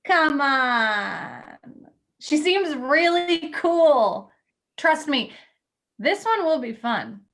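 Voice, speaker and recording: A woman acting as a magazine editor in a stage reading. Her high voice swoops widely, and she takes her time as she coaxes in a breezy way. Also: big pitch swings, extremely slow, a bit bright, heavily acted. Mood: coaxing. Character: coaxing, upbeat female magazine editor. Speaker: actor in a virtual staged reading. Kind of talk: naturalistic play reading.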